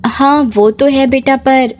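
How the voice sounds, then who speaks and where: A woman's voice: high-pitched, fairly even intonation, slow, darkish tone, faint music behind. A woman voicing a kind, motherly older aunt who soothes and persuades, in a spoken horror story. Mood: gentle.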